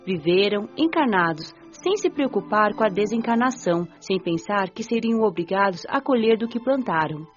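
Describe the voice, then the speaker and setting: A Brazilian woman playing an earnest, compassionate young spirit who narrates her afterlife in a measured way for a radio novel. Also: mid-range voice, lively intonation, close to an everyday voice. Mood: earnest, reflective. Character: nineteen-year-old female spirit recalling her afterlife, earnest and compassionate. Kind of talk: scripted first-person audiobook narration, radio novel. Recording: dull lo-fi audio with music. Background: music.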